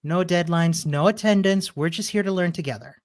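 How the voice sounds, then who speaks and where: A man from Chile co-hosting a casual coding lesson, with warm, encouraging remarks and quick affirmations. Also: high-pitched. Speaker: bootcamp co-host.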